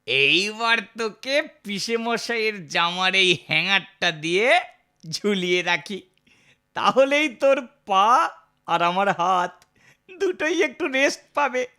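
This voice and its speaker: A man's voice: high-pitched, expressive, takes it slowly, pushed and bright, clean tone, heavily acted. A man voicing a sly, boastful teenage boy prankster in a cartoon, with a smug, mock-sweet, taunting way of talking. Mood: gloating, mocking. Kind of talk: Bengali cartoon character dialogue.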